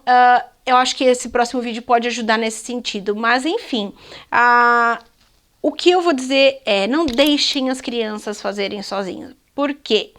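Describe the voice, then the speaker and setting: Brazilian woman, high voice, literacy teacher explaining classroom games to colleagues in a chatty, practical tone. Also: a bit bright. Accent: Brazilian Portuguese. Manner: chatty, practical, addresses viewers directly. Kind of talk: instructional talk to teachers.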